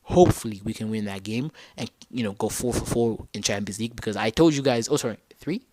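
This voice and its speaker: A young man from Zambia hosting a casual solo football podcast, talking in a slangy, animated way and correcting himself as he thinks aloud. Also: on the low side, quick pace, noisy background. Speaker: podcast host.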